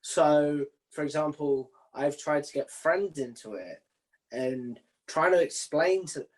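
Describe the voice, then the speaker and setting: A man's voice: a little high, slow pace, low-quality recording. A man hosting a casual interview in an informal, matey, conversational way. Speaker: interviewer, video channel host.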